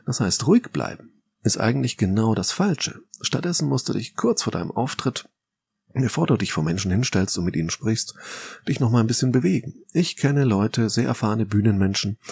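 A man with a German accent hosting a solo podcast as a rhetoric coach, explaining in a lively, conversational way with mock quotes. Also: mid-range voice, a little fast, gravelly, husky.

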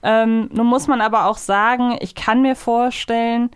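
A woman's voice: fairly high pitch, fairly even intonation, moderate pace, clear, resonant tone, no echo, studio quality. A woman co-hosting a podcast in casual conversation. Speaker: podcast co-host. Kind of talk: casual fan discussion podcast.

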